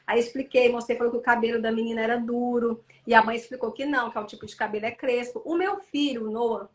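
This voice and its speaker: A Brazilian woman in her thirties, a children's author, telling stories with animated indignation in a casual interview. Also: on the high side, fast talker. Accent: Brazilian Portuguese. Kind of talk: casual interview over a live stream.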